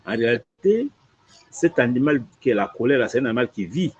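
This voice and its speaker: Here an imam with a mid-range, slightly rough voice talks a little fast as he answers questions about a religious teaching. His explaining is lively and repetitive, peppered with "tu vois" as he repeats his points. Dull lo-fi recording.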